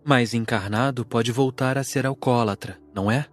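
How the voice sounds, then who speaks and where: A man's voice: medium pitch, moderate pace, soft background music, lightly acted. A man playing an earnest, sorrowful student in an audiobook, speaking soberly. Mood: concerned. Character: earnest, sorrowful male student in spirit class. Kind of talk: audiobook dialogue.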